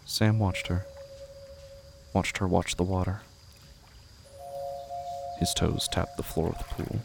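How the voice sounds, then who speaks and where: A man reading scripted, literary narration for a horror audio drama in a measured, brooding way. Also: low-pitched, fairly even intonation, gravelly, music in the background.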